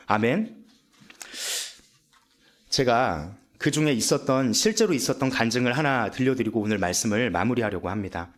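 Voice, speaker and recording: A man preaching at a Friday night service, telling a testimony with dramatic, emotive storytelling. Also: mid-range voice. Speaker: evangelist. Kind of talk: sermon storytelling.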